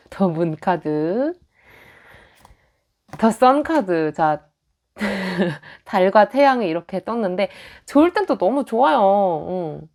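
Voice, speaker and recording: Lively young woman reading tarot. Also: mid-range voice, slow pace. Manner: chatty, acts out quoted lines. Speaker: tarot reader.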